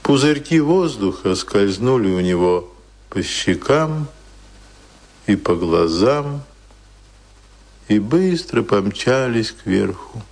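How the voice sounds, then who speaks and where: A man narrating a radio play in a grave, measured, suspenseful literary style. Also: on the low side, lively intonation, a little mellow, exaggerated voice. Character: grave male narrator of a drowning man's end.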